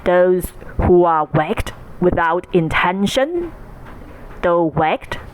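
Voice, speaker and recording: A woman with an East Asian accent reading a classical tale in a measured, deliberate, formal storytelling manner. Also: fairly low pitch, expressive. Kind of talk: scripted narration of a classical Chinese ghost tale.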